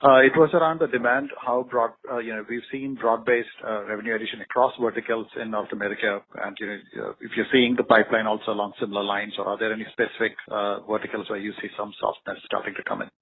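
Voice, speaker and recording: A man's voice: on the low side, flat delivery, fast talker, few pauses. A man speaking as a financial analyst, asking rambling, unscripted questions with hesitant phrasing over a phone on an earnings call. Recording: phone-like line with faint noise.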